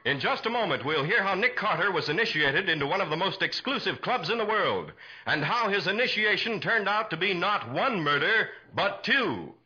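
High, forceful old-time radio announcer man. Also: sing-song, moderate pace, faint music behind. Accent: American. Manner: emphatic, dramatic salesmanship. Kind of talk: 1940s radio announcing, scripted narration. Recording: muffled 1940s radio recording.

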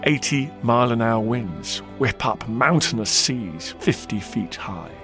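A man's voice: medium pitch, animated, slow. A man narrating a history podcast as its host, in an emphatic, dramatic storytelling delivery. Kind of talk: scripted documentary narration. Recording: narration over loud music.

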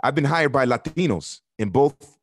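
This Miami soccer broadcaster, a guest on a podcast interview, has a medium-pitched voice with lively intonation and a normal speed. He comes across as frank and earnest, driving his points home by repeating them.

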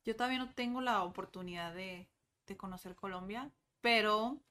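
A woman's voice: medium pitch, normal speed, sharp tone. Woman from Mexico hosting a chat. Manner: short prompting questions and backchannels. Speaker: podcast host. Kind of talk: casual podcast chat.

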